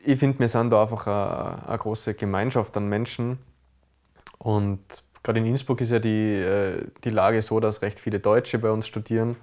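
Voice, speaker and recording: Young austrian guy thinking out loud, lowish voice, stays pretty level. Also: steady tone, normal speed. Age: young adult. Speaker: interviewee. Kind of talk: casual reflective talk.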